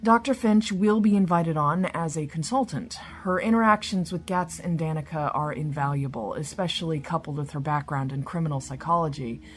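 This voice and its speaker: A low female voice, an actress as a composed senior agent in an audio drama. She is formal, measured and persuasive, with music faintly underneath. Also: lightly acted.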